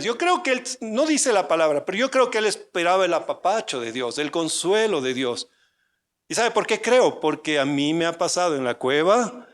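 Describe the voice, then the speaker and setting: A man, a pastor from Ecuador, preaching a sermon. He asks the congregation questions and acts out the voices of the story with big swings in pitch and loudness.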